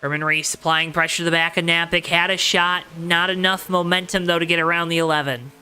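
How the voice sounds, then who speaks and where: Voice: mid-range voice, little pitch movement, brisk, pushed and bright, clean tone, soft background music. A motorsport commentator calling a race live, with dramatic, emphatic repetition and colorful phrasing. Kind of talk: live play-by-play racing commentary.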